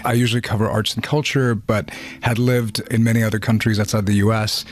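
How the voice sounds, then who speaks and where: A man from Pakistan, a reporter, explaining his findings in a measured way in a news interview. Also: lowish voice, level tone.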